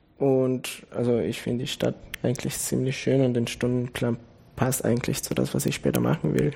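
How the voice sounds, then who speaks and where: A man at medium pitch with ordinary pitch variation, very even loudness and a moderate pace, amid noticeable background noise. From Mexico. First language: Spanish (speaking German). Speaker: university student. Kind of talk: casual interview.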